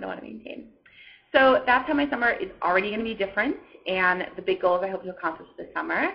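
A woman's very fast, lively speech at a medium pitch, with vocal fry and a quiet background. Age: 20s. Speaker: video blogger. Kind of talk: casual vlog monologue. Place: home room. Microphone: webcam.

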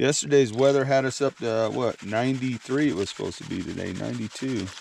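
The sound is dry, with no echo. Light background noise is present. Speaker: prospector vlogger. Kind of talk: casual vlog chat. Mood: relaxed, joking. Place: open country. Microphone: phone near.

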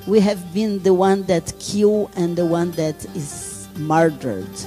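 Clear music plays in the background while a woman speaks at a very slow pace. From Brazil. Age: old. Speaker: spiritual healer and ceremony leader. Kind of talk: spiritual teaching talk. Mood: calm, earnest, reflective. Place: hall. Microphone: handheld.

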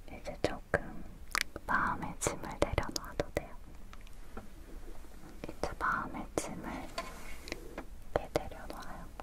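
A woman whispers in a gentle, soothing tone at a very slow pace, with long, frequent pauses. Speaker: relaxation video host. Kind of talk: soft soothing whispered comfort talk. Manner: soft, gentle, soothing ASMR voice. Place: home room.

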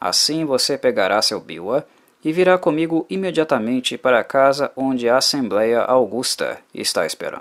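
A man's medium-pitched voice in a solemn, dramatic tone, with lively intonation at a moderate pace. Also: very clean recording, silent background. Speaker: channel host reading a literary horror tale. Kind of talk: audiobook-style reading aloud of a Japanese ghost story. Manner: measured, solemn storyteller's pace, dramatic and eerie.

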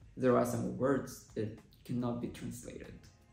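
Room echo can be heard around the voice. The man delivers his words at a moderate pace. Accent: Russian. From Russia. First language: Russian. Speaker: YouTuber doing language app challenge. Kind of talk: casual video commentary. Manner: halting. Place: home room.

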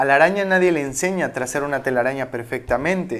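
Here a man speaks with a fairly high pitch. His pace is moderate. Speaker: tarot reader. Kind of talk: tarot reading. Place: home room. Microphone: phone near.

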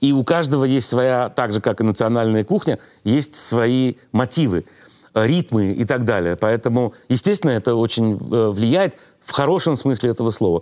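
With lively intonation, a man talks at a moderate tempo. Nothing much stirs in the quiet background. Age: 60s. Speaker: jazz pianist; guest. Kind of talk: interview; interview answer. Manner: halting, with filler sounds. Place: studio. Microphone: lapel.

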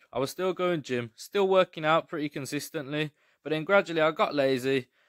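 A man with a British accent talks at a fairly quick pace, his fairly high pitch carried by lively intonation. The background is quiet and the sound is dry with no echo. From UK. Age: 20s. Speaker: vlogger. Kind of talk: casual vlog monologue. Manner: animated.

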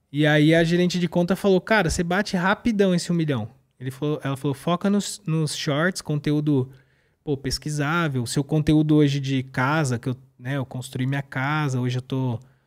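In a quiet setting, a man with a fairly high pitch speaks with ordinary pitch variation. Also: moderate pace. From Brazil, Jundiaí (São Paulo state); São Paulo state, Brazil. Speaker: vlogger. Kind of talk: casual chat. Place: studio. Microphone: studio mic.

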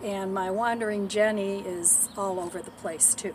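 Amid noticeable background noise, a woman talks at a fairly slow pace. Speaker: home gardening vlogger. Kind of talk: casual vlog chat. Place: garden. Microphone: phone near.

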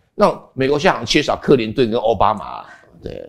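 Against a quiet background, a man speaks fairly quickly with vocal fry. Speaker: political commentator; guest commentator. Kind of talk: talk show panel discussion. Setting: studio. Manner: animated. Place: studio. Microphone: lapel.

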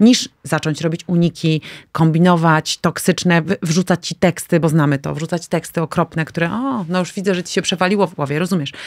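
A woman with a plain, everyday voice speaks at a fairly quick pace and fairly low pitch, her intonation fairly even, over a quiet background. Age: 40s. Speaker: style mentor and educator; educator. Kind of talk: casual chat. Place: studio. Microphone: studio mic.

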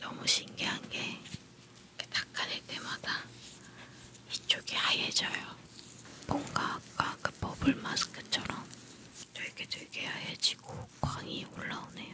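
Whispering in a calm tone, a woman speaks at a very slow pace with long, frequent pauses. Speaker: ASMR YouTuber / beauty content creator. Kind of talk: ASMR whispering product introduction to camera. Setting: close microphone, studio/home recording. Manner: soft, whispery, calm. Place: home room. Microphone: studio mic.

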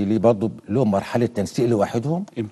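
Against a quiet background, a man with a fairly low pitch and a dark, mellow tone talks at a fairly quick pace with ordinary pitch variation. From Egypt. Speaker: education official; guest. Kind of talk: TV interview. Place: studio. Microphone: lapel.

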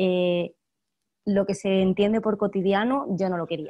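The woman's voice has a dark, mellow tone and a fairly slow pace. The background is quiet. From Andalusia, Jaén province (Andújar); Andalusia, Spain. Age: 20s. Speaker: actress; actress interviewee. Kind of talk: interview. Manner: halting. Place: home room. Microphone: earbuds.

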